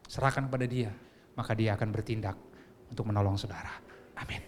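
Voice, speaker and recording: An Indonesian-accented male pastor preaching a sermon. He asks the congregation questions, sometimes sings a line, and drops to a soft, hushed voice for tender lines. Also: lowish voice, steady tone, fast. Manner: swings between loud exhortation and soft, hushed fatherly lines, sometimes sings phrases.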